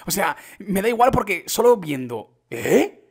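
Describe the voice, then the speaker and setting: A young man with an accent from Spain, reacting to a game update and talking it through for his viewers, keeping his voice down late at night until excitement breaks through. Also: sits high, normal speed. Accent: Spain Spanish. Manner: hushed and restrained, bursting into excited exclamations. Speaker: gaming youtuber.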